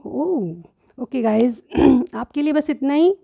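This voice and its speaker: Tarot reader: woman, high chatty voice, slightly sore throat, dull lo-fi sound. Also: expressive, slow, vocal fry. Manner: chatty, keeps asking "theek hai?". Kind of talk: direct-to-viewer tarot reading.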